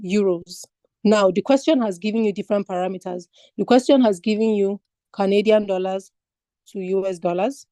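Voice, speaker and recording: A woman's voice: medium pitch, dark tone, no room sound. A woman from Nigeria teaching an online finance exam lesson, explaining step by step and asking her class rhetorical questions. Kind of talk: online lecture.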